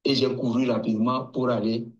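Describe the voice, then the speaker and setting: A man from Togo giving a slow personal testimony. He hesitates, restarts and repeats words as he recalls events. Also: medium pitch, little pitch movement, highs cut off. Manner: hesitant, halting, with many restarts and repetitions.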